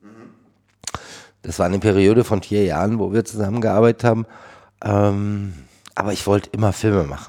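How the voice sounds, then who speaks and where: Speaking at a moderate pace with long, frequent pauses, a man with a fairly low pitch and a dark, mellow tone keeps a fairly even intonation while his loudness swings widely. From Munich, Bavaria. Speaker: film editor. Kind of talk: interview. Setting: in person.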